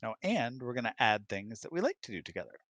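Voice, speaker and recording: A man's voice: medium pitch, sing-song, fast, fairly bright tone, dry recording. A middle-aged man in a casual relationship chat, speaking informally and often acting out imagined quotes. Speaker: guest on spouse's hangout.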